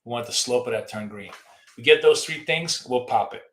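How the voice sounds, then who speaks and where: Hoarse man talking markets in an echoey room. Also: mid-range voice, moderate pace. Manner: rambling, casual, answers viewer questions. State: hoarse, losing his voice. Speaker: trading stream host. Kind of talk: live-stream market commentary.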